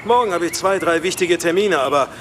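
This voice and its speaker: A man's voice: high voice, brisk, noisy background, close to an everyday voice. A man playing a chummy, easygoing builder in a children's radio drama, with a casual colloquial way of talking. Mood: chummy, upbeat.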